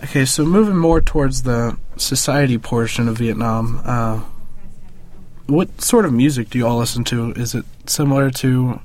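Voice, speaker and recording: A man's voice: mid-range voice, normal speed, a little mellow. A young man asking casual interview questions as the interviewer.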